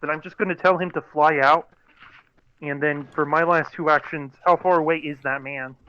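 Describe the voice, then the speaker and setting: A man's voice: a little high, steady tone, normal speed. A man chatting casually as a player in a tabletop game, over dull lo-fi voice-chat audio.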